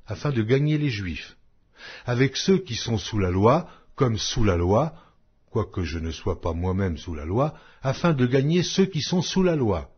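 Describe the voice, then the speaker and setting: A man reading scripture as a solemn scripted narration, measured and declamatory, with emphatic phrasing. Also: mid-range voice, slightly rough, muffled recording. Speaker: narrator of an audio Bible.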